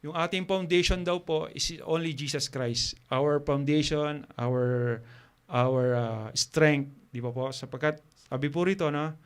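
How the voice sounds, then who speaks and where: A man preaching a sermon, halting with fillers and restarts, asking the congregation questions. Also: a little high, smooth.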